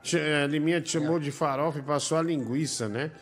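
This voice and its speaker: A man's voice: a little high, fairly even intonation, fairly quick, soft background music. Profane man reading donations. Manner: profane, jokey, reads messages aloud. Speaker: live stream host reading donations. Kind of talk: crude joking live-stream chat.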